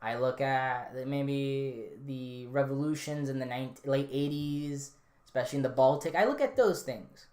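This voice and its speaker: A man's voice: mid-range voice, normal speed. A man hosting a podcast, chatting casually and answering a live chat, rambling with frequent ums and restarts. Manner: relaxed, rambling, many fillers and restarts. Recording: roomy echo.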